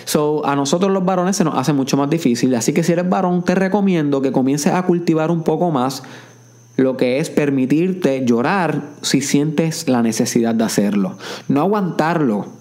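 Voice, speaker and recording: Higher-pitched man giving motivational advice. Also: normal speed, a little mellow. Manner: mixes English phrases into Spanish; repetitive, coaching tone addressing listener directly. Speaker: self-help speaker. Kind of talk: motivational monologue.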